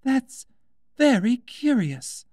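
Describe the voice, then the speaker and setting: A man's voice: very high-pitched, sing-song, drawn-out words, darkish tone, no room sound, clean studio sound, voice pushed up, full character voice. A man voicing a polite but easily offended, curious young girl in a storybook. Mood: curious, decided.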